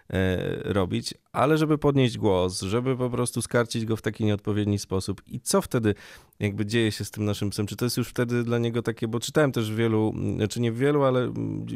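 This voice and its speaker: A man with a low voice hosts a podcast interview. He asks long, winding questions, hesitating and restarting often. The sound is close and dry. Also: gravelly, darkish tone, no echo. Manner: hesitant questions with many fillers. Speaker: podcast host.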